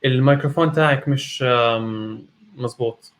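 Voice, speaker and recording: A man's voice: mid-range voice, rapid-fire, slight background noise. A man with a Levantine Arabic accent, hosting in a casual, conversational way. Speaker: host.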